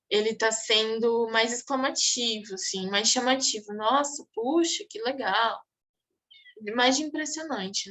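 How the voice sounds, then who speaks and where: A woman's voice: on the high side, bright, forceful tone. A woman teaching a class, going over exam answers and checking in often with her students. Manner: explanatory, checks in with "tá bom?". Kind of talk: online exam review class.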